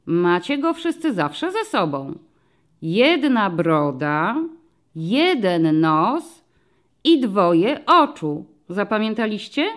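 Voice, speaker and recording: A woman voicing a patient, friendly male police commissioner who explains things slowly to young children in an audiobook story. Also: mid-range voice, sing-song. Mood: explaining.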